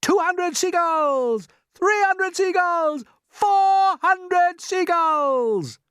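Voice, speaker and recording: A storybook narrator voicing a brave, eager young boy giving quick commands. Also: high voice, huge pitch swings, dry recording, studio quality, pitched above the performer's own voice, heavily acted. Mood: excited.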